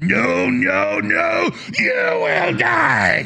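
Shouting in a put-on character voice, a man speaks at a medium pitch. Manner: evil, menacing.

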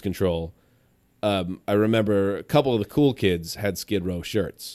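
A man's plain, everyday voice at a fairly low pitch and moderate pace, on a very clean recording with a silent background. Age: 30s. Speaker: podcast host. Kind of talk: casual chat. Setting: home garage studio.

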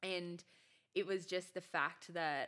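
A woman's fairly low pitch with fairly even intonation. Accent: Australian. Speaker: construction tradeswoman. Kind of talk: casual interview.

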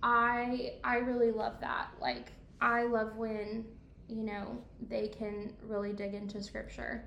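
A woman speaks at a very slow pace. Noticeable background noise and audible room echo are present. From US Midwest, central Indiana. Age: 20s. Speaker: mission organization worker. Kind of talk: casual chat.

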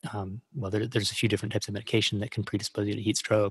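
A somewhat breathy male voice at a fairly low pitch, very cleanly recorded against a silent background. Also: dry, close sound with no echo. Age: 40s. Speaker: author and former competitive distance runner. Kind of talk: interview. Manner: halting, with repeated words.

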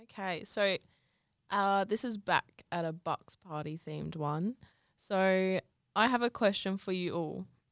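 Recorded very cleanly against a silent background with a dry, close sound and no echo, a woman with an Australian accent speaks at a fairly slow pace in a medium pitch with ordinary pitch variation. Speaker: podcast co-host. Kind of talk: casual chat.

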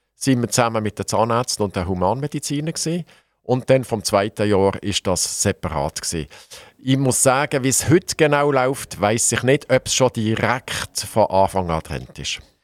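A Basel accent at a moderate pace with lively intonation. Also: man, dry, close sound with no echo, very clean recording, silent background. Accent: Basel Swiss German dialect. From Switzerland, Basel-Landschaft. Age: 60s. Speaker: veterinarian and municipal president. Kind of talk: radio interview.

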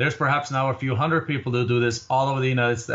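A man with a German accent talks at a medium pitch. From Germany. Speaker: real estate investor. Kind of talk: interview.

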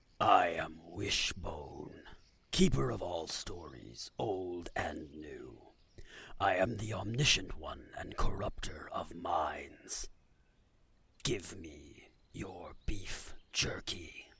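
A man does a raspy, put-on character voice with a very deep, low pitch. He talks at a very slow pace. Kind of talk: comic overacting. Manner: pompous, menacing, grandiose.

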